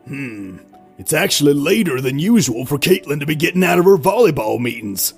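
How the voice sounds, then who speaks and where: A man voicing a goofy, doting middle-aged dad who is cheerful, bumbling and excitable. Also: fairly high pitch, brisk, breathy edge, soft background music, exaggerated voice. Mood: rambling. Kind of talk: voiced animated roleplay.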